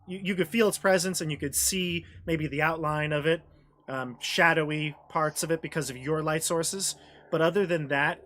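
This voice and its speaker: A man's voice: fairly high pitch, fairly bright tone, a little hiss or hum. A man working as game master, improvising tabletop game narration and often searching for his words.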